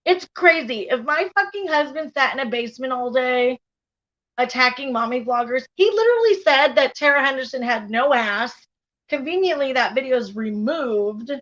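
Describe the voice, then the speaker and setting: A woman's voice: high voice, expressive, moderate pace, fairly bright tone. A woman hosting a casual commentary stream, blunt and profane, laughing often as she reacts. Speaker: YouTube commentary host. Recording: slightly dull lo-fi sound.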